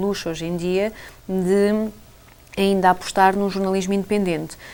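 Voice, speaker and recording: This woman's voice sits at a medium pitch and stays monotone, with flat intonation. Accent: European Portuguese. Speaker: journalist and author. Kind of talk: interview. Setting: studio. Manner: halting, many fillers.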